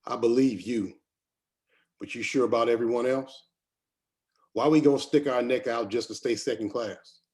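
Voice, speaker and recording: A man's voice: medium pitch, moderate pace, long pauses, a little mellow, natural voice. A man playing a proud, skeptical miner who speaks plainly, in a screenplay table read.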